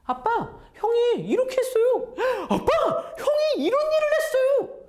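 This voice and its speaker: Brief: excitable little tattletale boy in a Bible story, high bright voice, put on by a woman. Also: measured pace, heavily acted. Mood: excited. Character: young boy Joseph, eager tattletale.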